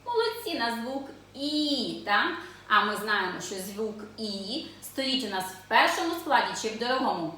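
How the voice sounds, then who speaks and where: A woman's voice: medium pitch, big pitch swings, bright, forceful tone, a little hiss or hum. Sing-song woman teaching preschool reading. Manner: slow, sing-song syllable reading with frequent questions to children. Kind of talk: children's literacy lesson. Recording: echoey room, voice from a distance.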